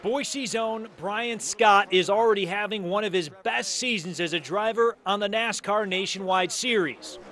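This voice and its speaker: Male American sportscaster, high-register voice, emphatic read of scripted local sports news. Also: moderate pace, few pauses, bright, forceful tone. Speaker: TV sports anchor.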